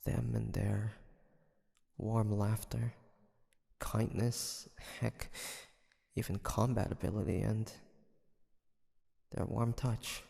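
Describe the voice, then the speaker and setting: Male actor as brooding demon hunter, guarded, hesitant, raspy, unhurried, audio roleplay, reverberant hall sound. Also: fairly low pitch, flat delivery, mellow, heavily acted. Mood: wistful, flustered. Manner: hesitant, halting, sighing soliloquy. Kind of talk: intimate audio roleplay drama.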